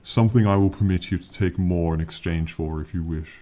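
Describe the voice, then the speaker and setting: Man voicing a very deep, lofty ancient dragon. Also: warm tone, lightly acted. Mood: condescending, fond. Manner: slow, formal, lofty, archaic phrasing. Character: ancient, proud, powerful male dragon, condescending yet fond. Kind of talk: ASMR fantasy roleplay monologue.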